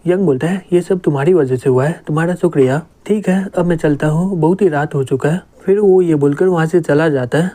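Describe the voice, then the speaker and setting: Man, comic recap narrator, mellow dark voice, slightly high pitch, evenly read story. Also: fairly quick, hardly any pauses. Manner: even storytelling, "he says" before each quote. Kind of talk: scripted narration, reading every character plainly.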